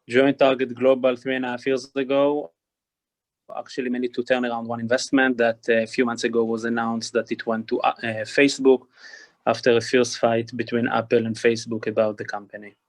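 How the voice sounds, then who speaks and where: A man from Israel with an Israeli accent introducing himself on a panel in clipped, matter-of-fact English. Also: mid-range voice. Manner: clipped, matter-of-fact, drops small words. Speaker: panelist, investor.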